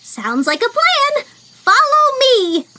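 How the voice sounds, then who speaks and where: A woman's voice: very high voice, very animated, slow pace, heavy background noise, full character voice. A woman playing a helpful, cheerful young female cartoon ape guide in a fan audio drama. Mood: upbeat. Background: music.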